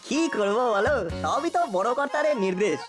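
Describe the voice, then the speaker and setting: High, sly cartoon kid voiced by a woman. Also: expressive, fairly quick, close to an everyday voice. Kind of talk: cartoon comedy acting. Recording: music behind the voice.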